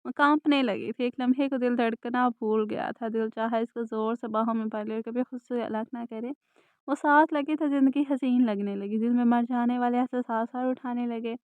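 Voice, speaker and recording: A woman narrating a romance novel in a soft, even storytelling manner. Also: fairly high pitch, smooth, no room sound. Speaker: audiobook narrator. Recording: dry, tinny phone-like sound.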